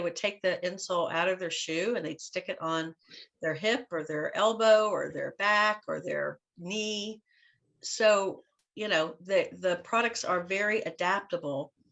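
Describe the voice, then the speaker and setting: An unremarkable speaking voice with an American accent, at a fairly slow pace with ordinary pitch variation. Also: woman. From US South. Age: 60s. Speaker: wellness product distributor. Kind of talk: interview.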